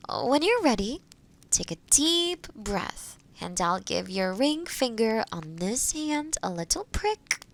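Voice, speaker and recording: A woman playing a kind, gentle forest witch in a roleplay audio, explaining potion work softly and caringly to the listener. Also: a little high, sing-song, slow pace, creaky, full character voice. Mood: reassuring. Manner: soft, caring, hesitant, explaining patiently.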